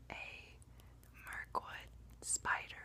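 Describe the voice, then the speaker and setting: The voice is whispering. Noticeable background noise can be heard behind it. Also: woman. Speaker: ASMR creator. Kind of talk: ASMR whisper video. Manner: whispered.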